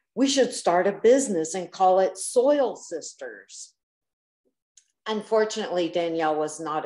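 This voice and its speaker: This woman has a medium pitch and a dark, mellow tone. She moves at a moderate pace, her pitch swinging very widely. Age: 60s. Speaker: poet. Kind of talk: reading aloud. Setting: video call.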